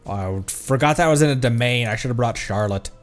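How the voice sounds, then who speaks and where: A man's voice: mid-range voice, brisk. A man doing casual gameplay commentary as a streamer, chatty and thinking aloud. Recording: game music behind voice. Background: video game music.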